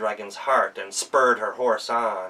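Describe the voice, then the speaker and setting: This is a man speaking at a medium pitch. He has an American accent. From Minnesota, USA. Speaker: professional storyteller. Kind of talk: folktale storytelling performance.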